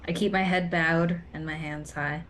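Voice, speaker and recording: A woman's voice: low-pitched, steady tone, moderate pace, fairly bright tone. A woman talking casually as a player in a role-playing game.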